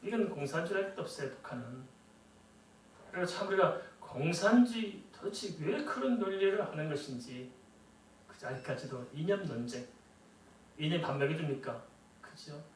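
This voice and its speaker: A middle-aged male pastor delivers his sermon in an easy, conversational way, tossing rhetorical questions at the congregation. His voice sits a little high for a man and comes from some distance off the microphone, heard in an echoey church sanctuary. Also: a little hiss or hum.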